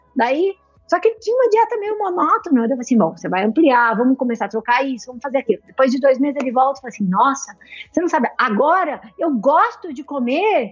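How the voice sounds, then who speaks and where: A woman's high-pitched voice at a very fast pace, with very wide pitch swings. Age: 40s. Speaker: nutritionist. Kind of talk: casual chat.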